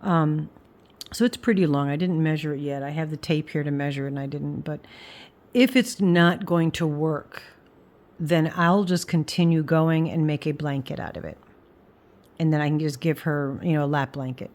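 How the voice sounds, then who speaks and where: An older woman speaks in a low register, with a slight whistle on her s sounds. She chats informally in the way of a craft vlogger, pausing, restarting and trailing off into asides as she thinks aloud. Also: a little mellow. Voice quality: whistling s through the teeth. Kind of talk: casual rambling chat.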